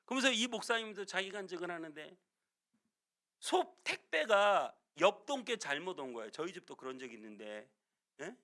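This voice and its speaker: Man preaching in church, high bright voice, swoops all over, acts out the quotes. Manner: animated storytelling, acts out quotes. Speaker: pastor. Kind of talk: sermon. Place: church sanctuary.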